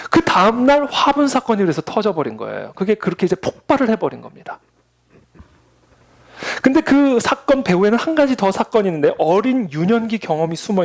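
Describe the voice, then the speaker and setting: A pastor with a high voice and vocal fry preaches a Sunday sermon. He tells stories and acts out the voices of the people in them.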